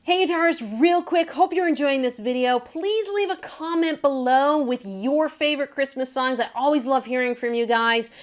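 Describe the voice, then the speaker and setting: A woman's voice: high voice, normal speed, few pauses. A woman giving a casual, chatty guitar lesson, talking informally and directly to viewers as their teacher. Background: acoustic guitar.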